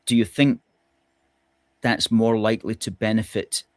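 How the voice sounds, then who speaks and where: A man hosting a political discussion, measured and questioning, with hesitant fillers. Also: fairly low pitch, fairly even intonation, no echo. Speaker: host.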